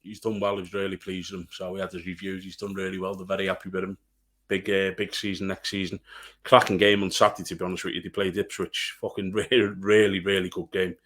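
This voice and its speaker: Low-voiced, sweary English man. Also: level tone, fast, a bit bright. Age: middle-aged. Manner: sweary, blunt. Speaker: podcast co-host. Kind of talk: casual banter.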